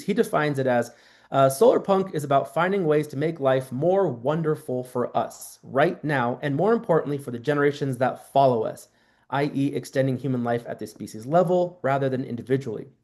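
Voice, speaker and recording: Fairly high in pitch, this man's voice shows ordinary pitch variation. He speaks at a fairly quick pace. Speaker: speaker on solarpunk literature. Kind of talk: presentation. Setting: online meeting. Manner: fast.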